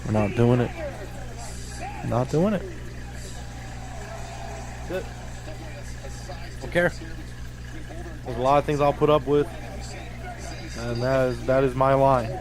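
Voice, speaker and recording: A man's voice: mid-range voice, slow, pauses often, poor audio. A married man co-hosting a live reaction show, talking emphatically and repeating his refusals in exasperation. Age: adult, married. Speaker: podcast co-host.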